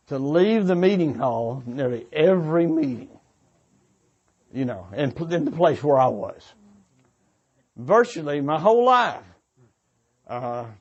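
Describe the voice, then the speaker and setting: A man's voice: fairly high pitch, slightly rough, dull audio. A man giving a sermon-like exhortation to a congregation, speaking earnestly and sometimes repeating or rephrasing his words as he goes. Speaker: church speaker. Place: church meeting before a congregation.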